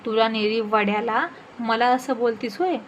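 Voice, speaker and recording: A cranky old village grandmother scolds and grumbles, with a woman acting her out. The voice is fairly high in this storybook reading, over faint background hiss. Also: fairly even intonation, moderate pace, dull audio, lightly acted.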